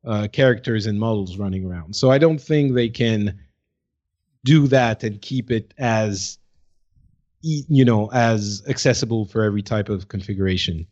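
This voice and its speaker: A man co-hosting a casual gaming discussion, explaining his points in a halting, conversational way. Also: fairly low pitch, darkish tone. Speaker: podcast co-host. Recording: slightly dull, lo-fi voice track.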